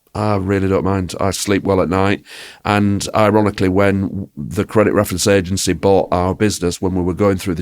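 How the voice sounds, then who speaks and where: A man speaks in a very deep, low voice at a fairly quick pace. The recording is very clean, with a silent background. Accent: Yorkshire. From Yorkshire, northern England. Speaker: business executive. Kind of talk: podcast interview. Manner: blunt.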